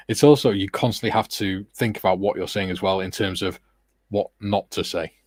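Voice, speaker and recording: Low-voiced, monotone man. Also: moderate pace, no room sound. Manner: self-described monotone, earnest. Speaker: co-host. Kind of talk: casual chat on a live stream.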